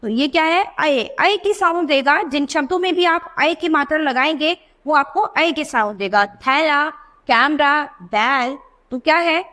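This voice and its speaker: High-pitched woman teaching little kids to read, asks questions then answers them, drags out words to show sounds. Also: a little slow, pushed and bright. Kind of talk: children's lesson.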